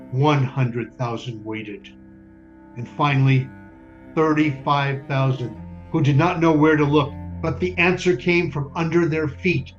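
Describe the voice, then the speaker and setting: An actor playing a solemn, bitter ghetto survivor who narrates a stage drama in a deliberate, declamatory way. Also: male voice, mid-range voice, natural voice. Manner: grave, deliberate, declamatory, with emphatic lists. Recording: dull, lo-fi stage recording. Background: music.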